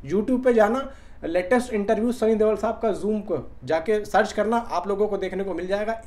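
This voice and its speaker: A man's voice: high-pitched, darkish tone. A man giving casual film news commentary, talking colloquially and directly to fans like a chatty YouTube host. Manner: colloquial, chatty, addresses viewers as brother.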